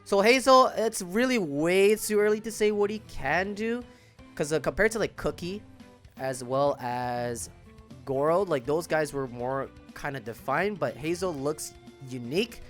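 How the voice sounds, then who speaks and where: A man's voice: fairly high pitch, lively intonation, a little slow, a bit bright. Casual, emphatic man over background music. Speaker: gaming content creator. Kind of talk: casual reaction commentary on a video game.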